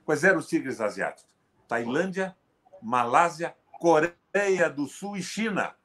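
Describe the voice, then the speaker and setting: A man in his seventies hosting a political conversation, talking in an emphatic, forceful way with sharp jumps in pitch and loudness. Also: lively intonation, unhurried. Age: 70s. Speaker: host, veteran politician.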